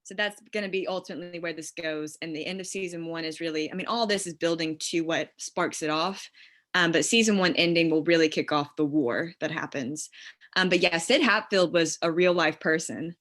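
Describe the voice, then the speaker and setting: Woman writer explaining stuff casually, voice a little on the low side. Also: brisk, a bit bright. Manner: informal, conversational. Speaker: screenwriter leading a script table read.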